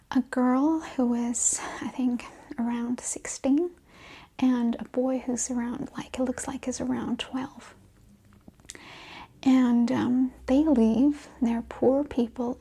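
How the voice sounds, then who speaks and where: Casting: female ASMR host, mellow breathy whisper, slightly high, hushed casual chat.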